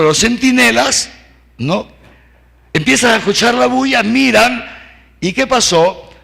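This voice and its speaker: A man preaching to seminarians, telling the story in an animated way, acting out voices and shouts, and asking the audience for agreement with short tags. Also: very high voice, gravelly, breathy edge.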